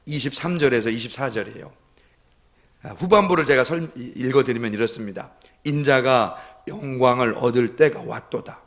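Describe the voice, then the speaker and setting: This is a middle-aged man delivering a sermon from the pulpit. His voice sits a little high for a man, and he preaches with fervor, climbing into emphatic, declaring phrases. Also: fairly bright tone. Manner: impassioned, building to emphatic declarations. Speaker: pastor.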